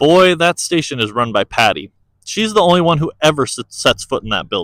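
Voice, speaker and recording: A man puts on a gruff character voice, fairly high in pitch and fairly quick in pace. The sound is dry and close, with no echo. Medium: read story. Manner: gruff, surly, folksy.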